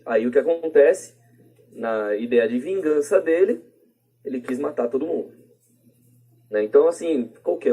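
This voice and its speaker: In a plain podcast voice recording, a Brazilian guest rambles through his opinions in a casual, colloquial way, often tacking on tag questions. He speaks in a mid-range voice with a dark tone and a breathy edge.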